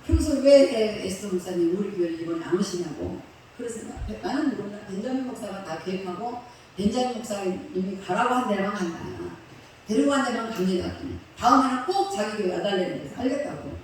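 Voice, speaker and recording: A woman's voice: medium pitch, animated, brisk. Lady pastor rambling thru a sermon story, far off mic, super echoey church, faint room noise. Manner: chatty, colloquial, laughs with the congregation. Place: church sanctuary.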